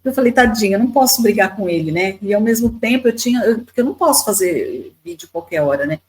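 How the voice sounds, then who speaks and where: A Brazilian woman in her fifties, a lawyer and YouTuber, tells stories as a guest on a podcast in a chatty manner, often repeating words and tacking on tag questions. Her mid-range voice is expressive, quick and darkish, and the audio is poor.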